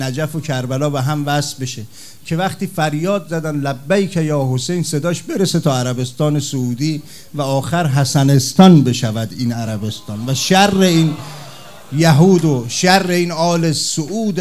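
A man delivering a fervent religious sermon, his fairly high voice rising into loud, impassioned cries. He tells stories as he preaches, and his delivery is charged with emotion throughout.

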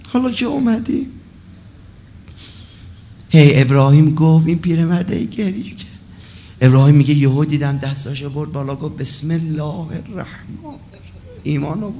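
A man preaching an emotional storytelling sermon at a religious gathering, swinging between loud passages and hushed ones. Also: on the high side, lively intonation, long pauses, a little hiss or hum.

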